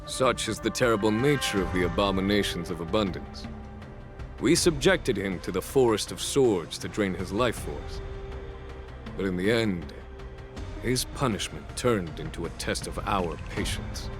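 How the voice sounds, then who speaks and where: A man voicing a stern, composed veteran military commander in a video game, speaking formally and deliberately. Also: deep voice, expressive. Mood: grave. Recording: music behind the voice.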